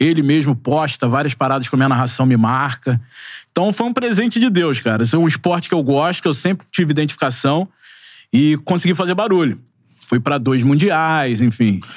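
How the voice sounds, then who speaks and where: In an ordinary speaking voice, a man talks at a fairly quick pace with a fairly high pitch, lively intonation and very even loudness, on a very clean recording with a silent background. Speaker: sports commentator. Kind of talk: casual chat. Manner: relaxed conversational.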